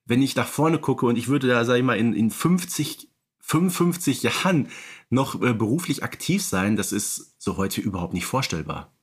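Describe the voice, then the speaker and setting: A man's voice: mid-range voice, animated, moderate pace, slightly rough. Enthusiastic man podcast co-host. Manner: enthusiastic, many fillers. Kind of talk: casual chat about radio plays.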